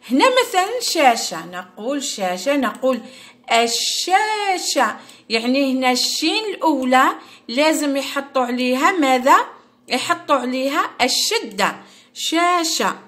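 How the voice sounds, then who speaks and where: Algerian lady teacher, high voice, slow patient explaining for little kids, says words twice. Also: fairly bright tone. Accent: Algerian Arabic. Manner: patient, repeats and stresses each word for young pupils. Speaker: primary school teacher. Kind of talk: lesson explaining a first-grade exam. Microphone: recorded at her device, screen-share style.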